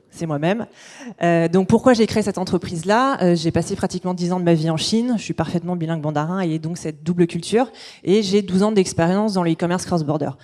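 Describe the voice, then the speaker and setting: Woman pitching, mellow voice. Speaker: company founder presenting. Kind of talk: business pitch presentation.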